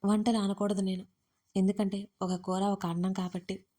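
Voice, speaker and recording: A woman's voice: medium pitch, flat delivery, moderate pace, mellow. A woman narrating a first-person audio story in an intimate, conversational way. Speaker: author and narrator.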